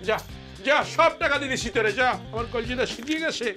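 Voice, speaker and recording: A man's voice: very high voice, fast. A man playing an emotional older man speaking in rural dialect, with music behind. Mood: grieving.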